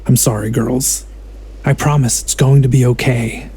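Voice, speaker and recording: Man as a mellow, soothing merchant dad. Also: medium pitch, steady tone, moderate pace, slight background noise, natural voice. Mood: reassuring. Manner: gentle, coaxing. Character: soothing, reassuring father, a travelling merchant. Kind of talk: video game voice acting.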